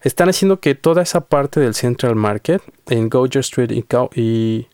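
A man's voice: medium pitch, animated, normal speed, a little mellow, clean tone, no echo, clean studio sound. Chatty male radio host. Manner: chatty, with frequent hesitations and fillers. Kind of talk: casual radio interview. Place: radio studio. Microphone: studio microphone.

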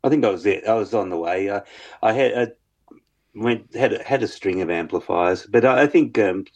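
A man with a very low bass voice, talking hesitantly as a musician guest in an interview, with many fillers and restarts. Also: normal speed. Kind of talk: casual interview chat.

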